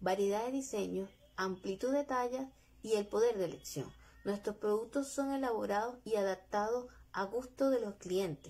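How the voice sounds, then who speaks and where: Somewhat breathy, a woman's voice moves along at a moderate pace. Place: workshop. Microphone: phone near.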